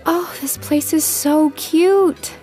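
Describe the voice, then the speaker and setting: An actress playing a playful, confident young psychic tarot reader in an audio comedy, with an American accent and a teasing, dryly amused manner. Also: female voice, high-pitched, slow pace, darkish tone, faint music behind. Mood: friendly. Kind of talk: audio drama comedy acting, conversational.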